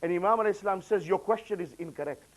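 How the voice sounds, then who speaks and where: A man delivering a religious lecture, lifting his voice for quoted sayings and dropping it low and quiet for asides. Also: rapid-fire. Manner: rises in pitch and volume when quoting, drops low for asides. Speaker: preacher.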